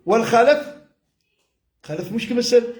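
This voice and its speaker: A male religious teacher with a Tunisian accent gives an informal lesson that mixes classical Arabic with dialect, explaining points and repeating and rephrasing them with everyday examples. His voice is notably high, a little mellow, fairly quick, with lively intonation. The recording was made in an echoey, reverberant room.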